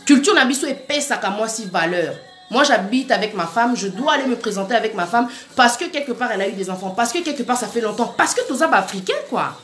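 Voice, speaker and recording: A woman delivers an exhortative, preaching-style monologue, earnest and direct, calling on her listeners. Her voice sits a little high and rings in an echoey room, with faint music underneath. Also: animated, fast talker, fairly bright tone. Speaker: Christian speaker. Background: faint background music.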